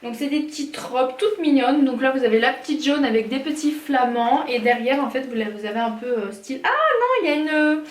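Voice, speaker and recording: Chatty high-voiced French woman. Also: expressive, brisk, few pauses. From France. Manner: chatty, hesitant with many fillers. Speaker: vlogger. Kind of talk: casual product haul chat. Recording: echoey room, faint noise.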